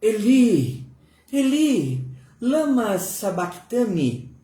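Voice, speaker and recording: A woman voicing a solemn, gentle male teacher in his last hours, speaking in a slow, grave, hushed way. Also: on the high side, very animated, full character voice. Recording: roomy echo.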